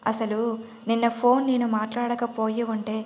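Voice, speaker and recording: A woman's voice: on the high side, flat delivery, normal speed, a little mellow, close to an everyday voice. Sulky youngest sister, read by a woman. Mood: upset. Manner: agitated, pouting. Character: youngest girl, guilty and sulky.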